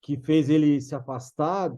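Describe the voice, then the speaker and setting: A mature Brazilian man reminiscing casually in conversation, halting and restarting his phrases. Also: on the high side, mellow. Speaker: guest recalling a parent's career.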